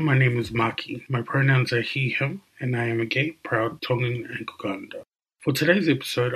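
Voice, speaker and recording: Husky guy hosting a podcast, reading script steady, mid pitch. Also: poor audio. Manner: reads from script, clear and measured. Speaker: podcast host. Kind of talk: scripted host narration. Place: radio studio.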